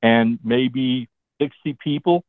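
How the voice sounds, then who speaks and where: A comic book writer in his seventies, speaking with a mid-range voice at a slow pace, shares career stories as a guest in a relaxed interview. He's chatty and keeps checking in with "all right?". The phone-line audio is tinny, with no room sound.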